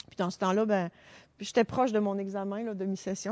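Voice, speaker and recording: A woman's dark, mellow voice at medium pitch and a fairly quick pace, dry and close with no echo, over a quiet background. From Quebec, Sept-Îles. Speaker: cancer survivor, retired communications professional. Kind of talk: interview, personal story. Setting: live event with audience.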